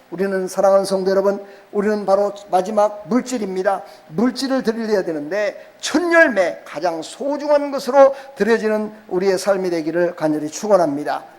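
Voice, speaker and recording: Against noticeable background noise, a man talks at a high pitch with lively intonation. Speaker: pastor. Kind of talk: sermon. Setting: church. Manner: fast.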